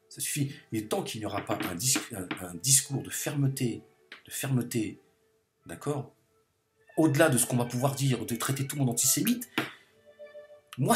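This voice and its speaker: Man, impassioned monologue, lively swooping pitch, repeats phrases for emphasis, soft music in the background. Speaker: video commentator.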